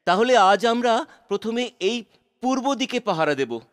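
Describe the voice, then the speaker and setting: A man's voice: very high voice, lively intonation, measured pace, clear, resonant tone. A man voicing a bossy, scheming chief minister in a children's cartoon, with an officious manner. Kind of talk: animated children's cartoon acting.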